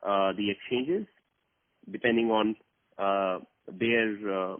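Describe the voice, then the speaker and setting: A man's voice: lowish voice, fairly even intonation, slow pace. A man, a company executive methodically explaining a process on a conference call. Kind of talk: explanatory earnings call answer. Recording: muffled narrowband phone conference line.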